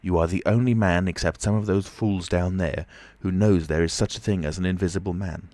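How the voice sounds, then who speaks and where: A man's voice: low voice, steady tone, brisk, darkish tone, no room sound, natural voice. A man voicing a commanding, menacing invisible man in an audiobook, speaking urgently and domineeringly. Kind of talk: audiobook character voice.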